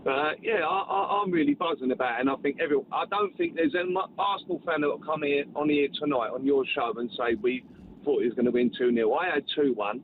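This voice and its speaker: A man calling a sports radio show, talking excitably and repeating himself. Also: medium pitch, fast talker, gravelly, slight background noise. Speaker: caller, football fan. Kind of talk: phone-in call. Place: travelling home. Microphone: phone. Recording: tinny phone line.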